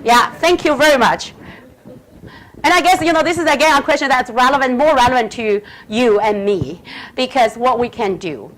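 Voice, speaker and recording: A woman answering audience questions in an academic talk, speaking haltingly with many restarts and fillers. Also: sits high, rough recording.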